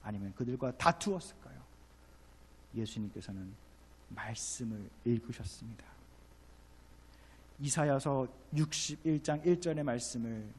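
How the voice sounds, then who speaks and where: A man's voice: medium pitch, breathy edge. Impassioned male preacher in a reverberant hall. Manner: impassioned preaching, rising to loud exhortation and dropping to hushed storytelling. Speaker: pastor. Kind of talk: sermon. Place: church sanctuary. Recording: long church hall reverb.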